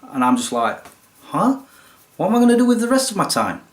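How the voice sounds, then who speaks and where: A man's voice: high-pitched, very animated, a little fast. A young man casually explaining, step by step, how he films and edits his videos, with a self-deprecating manner. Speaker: YouTube creator. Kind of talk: casual behind-the-scenes explanation. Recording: roomy echo.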